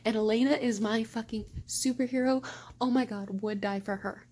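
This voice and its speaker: A woman's voice: a little high, fairly even intonation, moderate pace, a little mellow. A young woman chatting casually at home in a book vlog, gushing, giggly and swearing freely. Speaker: book vlogger. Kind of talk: casual chat.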